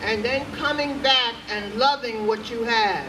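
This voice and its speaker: A woman speaks at a very slow pace in a raised, projected voice, with noticeable background noise and audible room echo. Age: 80s+. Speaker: retired high school principal. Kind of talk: reunion speech.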